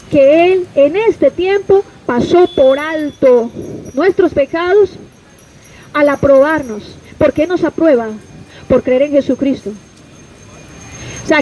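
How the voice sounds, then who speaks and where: A woman's voice: high voice, dark tone, a little hiss or hum, rough recording. A Colombian woman preaching an open-air street sermon, pressing her listeners with rhetorical questions and direct address. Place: outdoors on a city street.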